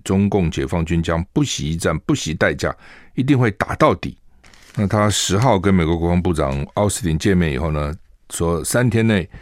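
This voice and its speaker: An older man with a Taiwanese Mandarin accent, hosting a political commentary talk show, animated and full of rhetorical questions. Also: deep voice, no echo, clean studio sound. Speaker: radio talk show host.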